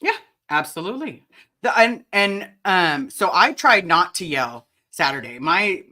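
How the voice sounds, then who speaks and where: A low-pitched woman with a raspy, bright, forceful voice hosts a casual live chat. She talks quickly and animatedly, turning often to address her viewers. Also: big pitch swings. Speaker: livestream host.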